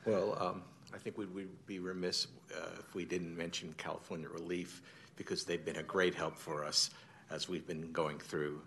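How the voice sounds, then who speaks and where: A man's voice: deep voice, little pitch movement, moderate pace, fairly bright tone, slight background noise. A man from a tree project giving plain-spoken, hesitant thanks at a city meeting. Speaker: tree project volunteer accepting award. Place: city council chamber.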